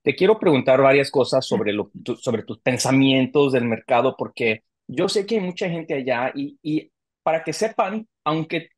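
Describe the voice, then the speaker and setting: A man's voice: medium pitch, animated, moderate pace, no echo. A man, hosting a casual interview over a video call and talking with many hesitations and restarts. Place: home office on a video call.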